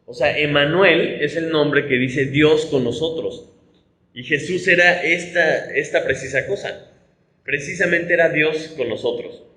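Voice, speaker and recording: A man's voice: fairly high pitch, measured pace, sharp tone, roomy sound, poor audio. A man from Mexico with a Mexican Spanish accent, a pastor teaching a conversational Bible study, explaining with rhetorical tags and frequent restarts.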